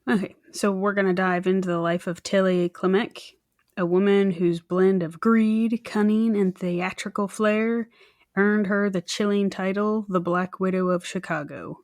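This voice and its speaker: A woman's voice: medium pitch, fairly even intonation, unhurried, a little mellow, no echo, studio quality. A woman co-hosting a true crime podcast, telling the story in a chatty, informal way with wry, joking asides. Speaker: podcast co-host presenting the case.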